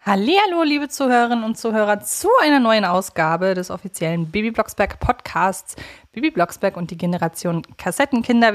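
Female podcast host, mid-range voice, conversational talk. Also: medium pitch.

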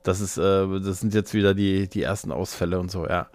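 A man's voice: sits low, fairly even intonation, fairly quick, darkish tone, no echo. A man in a casual, joking, colloquial podcast chat, telling anecdotes. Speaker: podcast host.

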